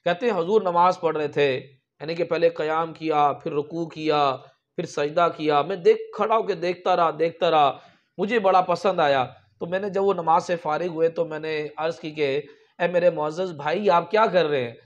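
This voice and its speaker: A man's voice: fairly high pitch, normal speed, muffled recording. A man preaching a sermon, telling religious stories with emphatic raised peaks. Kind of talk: storytelling sermon.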